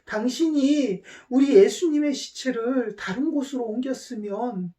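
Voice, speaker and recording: A woman telling a Bible story to children raises her voice to play a distraught young woman searching for a lost body. She speaks in a high, pleading tone. She sounds urgent and close to tears. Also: unhurried, mellow, reverberant, close to an everyday voice. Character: weeping young woman, distraught then overjoyed.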